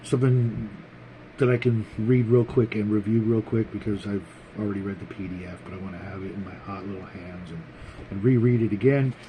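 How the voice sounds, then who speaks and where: A man hosting a casual, unscripted vlog about tabletop gaming, talking to viewers in a rambling, halting, conversational way. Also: fairly low pitch, steady tone, muffled recording, background noise. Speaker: host of a tabletop gaming vlog, game master.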